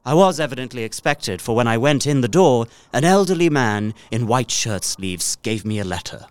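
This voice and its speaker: A man plays a proper young English solicitor narrating his diary for an audio drama. He is precise and earnest, with lively, varied intonation in a dry, close recording. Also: medium pitch, moderate pace, clear, resonant tone, no echo, natural voice. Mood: curious, bemused. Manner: expressive, precise, faintly bemused.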